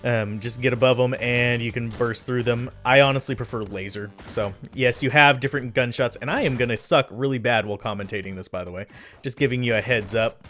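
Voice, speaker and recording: A man's voice: medium pitch, brisk, fairly bright tone. A man giving casual commentary over his own gameplay, chatty and self-deprecating, often losing his train of thought. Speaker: let's play commentator. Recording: faint game music behind.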